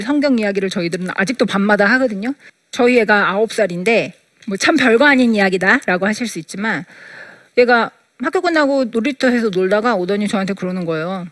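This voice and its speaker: A woman in her thirties, a mother giving a faith talk, tells personal stories in an animated way and acts out the voices of the people she quotes. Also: a little high, dry recording, clean studio sound.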